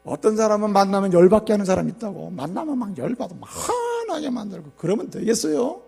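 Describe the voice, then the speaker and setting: A man's voice: sits high, big pitch swings, fast, gravelly, darkish tone, slightly rough. A male pastor preaching a sermon in a church, often asking the congregation questions and telling jokes. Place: church sanctuary.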